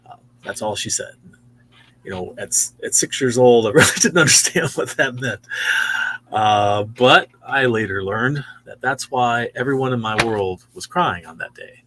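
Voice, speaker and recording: This sixty-something comic shop host chats his way through new comics in the store, full of wows and easily impressed. He speaks at normal speed in a mid-range, fairly bright voice, with slight background noise.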